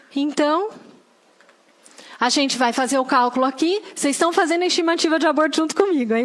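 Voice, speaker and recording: Lively intonation marks a woman's high-pitched voice over noticeable background noise. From Brazil, Campinas (São Paulo state). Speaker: public health specialist, dentist. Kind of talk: testimony at a senate hearing, presentation.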